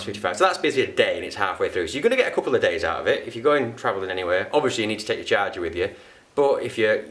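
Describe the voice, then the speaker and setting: Northern English man, low-pitched, casual tech reviewer, loose and rambling delivery. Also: fairly bright tone. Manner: rambling, chatty, self-correcting.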